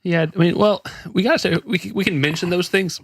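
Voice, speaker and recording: A man's voice: high-pitched, quick pace, breathy edge, no echo, studio quality. A man co-hosting a podcast in casual chat, talking loosely with swearing and frequent restarts. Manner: loose, profane, rambling with restarts. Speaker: podcast co-host.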